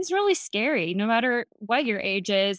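A woman with an American accent talks at a fairly high pitch and moderate pace, in a very clean, dry, close recording with no echo and a silent background. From US Midwest, mostly Indiana. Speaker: hiking influencer and fitness trainer. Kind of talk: interview conversation.

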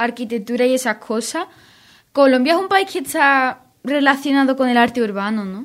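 A woman talks at a moderate pace in a high pitch. The recording is very clean, with a silent background. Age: young. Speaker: radio co-host. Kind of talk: interview. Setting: studio.

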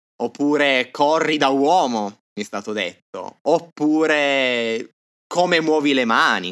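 A fairly high-pitched man speaks at a very slow pace. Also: ordinary pitch variation. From Turin, Italy. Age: 20s.

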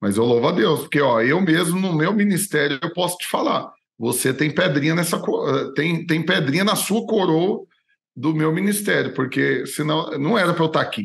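Lively intonation from a man at a fairly high pitch and a moderate pace. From São Paulo, Brazil. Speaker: pastor and podcast host. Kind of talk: interview.

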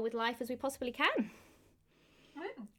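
This woman has a normal speaking voice at a fairly high pitch. Her intonation is fairly even. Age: 30s. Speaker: podcast co-host, homeschooling mother. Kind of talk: casual chat.

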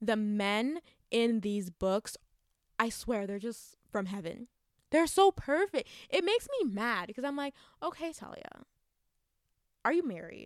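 Speaking at a fairly slow pace, a woman with a fairly high pitch sounds animated and swings her pitch very widely. She takes long, frequent pauses, and the sound is dry and close with no echo. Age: 20s. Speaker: podcast host. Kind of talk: casual chat. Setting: recording in bed at home.

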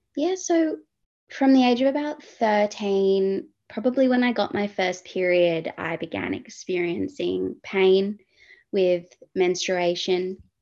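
A woman with an Australian accent speaks at a medium pitch in a dark, mellow tone. Her intonation is lively, her pace very slow, and the background quiet. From Perth, Western Australia. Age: 20s. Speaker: guest, law student and endometriosis advocate. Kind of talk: casual interview conversation.

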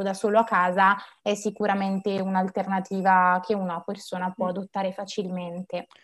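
In a monotone, flat intonation, a woman speaks at medium pitch and a moderate pace. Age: 20s. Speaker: university student. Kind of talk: casual interview.

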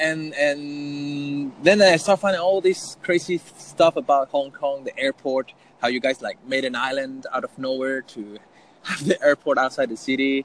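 A man speaks at a moderate pace with a fairly high pitch and ordinary pitch variation. The sound is dry and close with no echo, and background noise is noticeable. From Chile. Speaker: YouTuber. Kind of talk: casual chat. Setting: outdoors.

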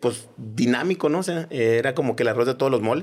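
In an unremarkable speaking voice of medium pitch, a man talks at a fairly quick pace with ordinary pitch variation. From Parral, Chihuahua, northern Mexico. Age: 40s. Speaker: comedian. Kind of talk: casual chat.

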